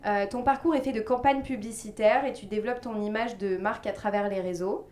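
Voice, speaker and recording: A woman's voice: mid-range voice, steady tone, brisk, darkish tone. Hesitant woman hosting in a roomy space. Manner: many hesitations, reads guest bios. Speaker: podcast host. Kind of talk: casual interview chat.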